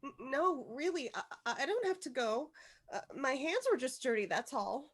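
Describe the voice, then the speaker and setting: A woman playing an awkward, anxious junior high girl in a script read, hesitant and pleading. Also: lively intonation, normal speed, a bit bright, slightly rough, full character voice. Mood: nervous. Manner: hesitant, stammering, protesting. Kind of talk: table read of a film script.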